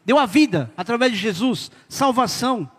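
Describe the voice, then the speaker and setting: A man's voice: very high voice, expressive, normal speed, a bit bright, husky, long reverb tail. A man preaching an informal sermon in a conversational way, talking directly to his listeners.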